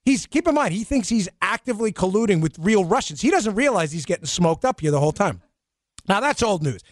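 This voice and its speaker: A man hosting a political talk show, talking fast and mocking, with a faint New York accent. His voice sits high for a man and swings widely up and down. The sound is close and dry, with no room around it. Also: big pitch swings, no echo. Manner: rapid, sarcastic, mocking. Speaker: host.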